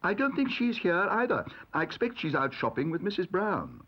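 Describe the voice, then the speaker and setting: A man's voice: high voice, big pitch swings, moderate pace, voice pushed up. A man voicing a polite, earnest young bear in a storybook reading, speaking literally and carefully. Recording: dull lo-fi audio recording.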